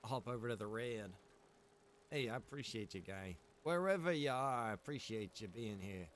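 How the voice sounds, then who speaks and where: A man's voice: on the low side, expressive, normal speed, a little hiss or hum. A man chatting casually and thinking aloud as he hosts a gaming livestream. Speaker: livestream host, gamer.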